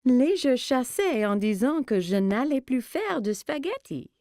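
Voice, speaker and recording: A woman voicing a caring, gently teasing mother in a children's cartoon, expressive and reassuring. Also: sits high, unhurried, no echo, exaggerated voice.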